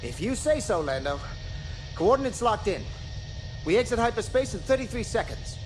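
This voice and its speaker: Excitable male flight officer, very high pitch, urgent reports, sci-fi audio drama over music. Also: normal speed, rough recording. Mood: tense, dutiful. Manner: urgent, crisp military reporting. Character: eager, excitable young male military officer. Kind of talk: science fiction audio drama acting. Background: orchestral score.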